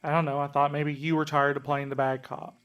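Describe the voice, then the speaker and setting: A man's voice: fairly high pitch, level tone, a little fast, clear, resonant tone, no echo, lo-fi sound, lightly acted. A man playing a weary, protective and dryly sardonic character in a naturalistic audio drama. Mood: subdued, earnest.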